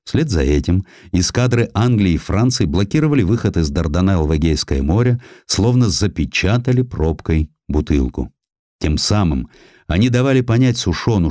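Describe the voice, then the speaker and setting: Deep-voiced man narrating history expressively. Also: normal speed, dry recording, clean studio sound. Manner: expressive storytelling, acting out quoted speech. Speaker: audiobook narrator. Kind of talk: dramatic audiobook narration of historical prose.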